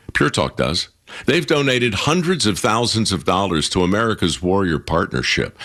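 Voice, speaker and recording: A man's voice: fairly low pitch, bright, forceful tone. A man reading a radio ad in an earnest, persuasive voice. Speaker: ad spokesman. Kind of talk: read radio ad.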